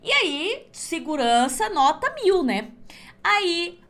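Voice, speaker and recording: A woman teaching a crochet class who tells stories in an animated, chatty way and laughs often. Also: very high-pitched, slow. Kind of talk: lively live class storytelling.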